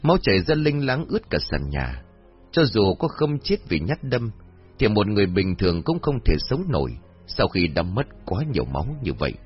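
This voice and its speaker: A man narrating a horror story in a dramatic, expressive way. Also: fairly low pitch, normal speed. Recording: dull lo-fi audio, faint music.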